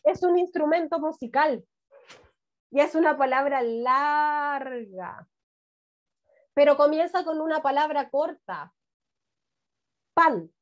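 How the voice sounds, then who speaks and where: A high-voiced woman teacher with a Chilean Spanish accent, talking to young children over a dull, lo-fi video call. She stretches words out syllable by syllable and speaks in a slow, gentle, coaxing way. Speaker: primary school teacher. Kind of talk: online class for first graders. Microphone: laptop mic on a video call.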